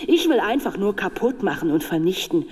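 An actress playing a ruthless, power-hungry politician giving a blunt, declamatory speech in a radio drama. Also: female voice, medium pitch, sing-song, brisk, a little mellow, slightly rough. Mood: defiant, greedy. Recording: long hall reverb of podium speech.

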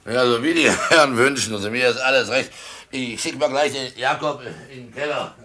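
A jovial village innkeeper in a radio play. His voice is bright and forward, and he wheedles and stumbles over repeated words like a practised tavern raconteur. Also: medium pitch, fairly quick. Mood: merry. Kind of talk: German radio drama acting.

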